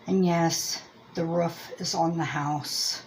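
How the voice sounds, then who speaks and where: A crochet and yarn channel host from Lancaster County, Pennsylvania, chats through a homemade product review in a Pennsylvania Dutch American accent, rambling and self-deprecating as she thinks aloud. Her low voice is slow with fairly even intonation, and the rough recording carries a bit of hiss or hum.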